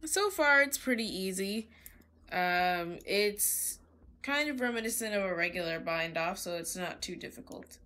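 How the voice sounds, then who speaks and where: A woman with a bright, forceful voice answers quickly and cheerfully in a casual chat. Her tone is clear and upbeat. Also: medium pitch, animated. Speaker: guest knitter.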